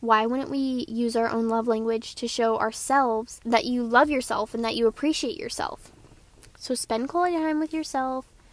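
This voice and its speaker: Pitched high, a woman speaks at a moderate pace. Her pitch variation is ordinary. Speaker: podcast host. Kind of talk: casual solo podcast talk. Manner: chatty, informal.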